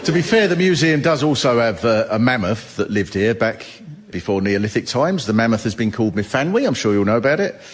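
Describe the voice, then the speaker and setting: A man's voice: medium pitch, in a large hall. A man performing stand-up comedy before a live audience, with sardonic, exasperated rants. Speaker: comedian host. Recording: live stage recording with audience noise.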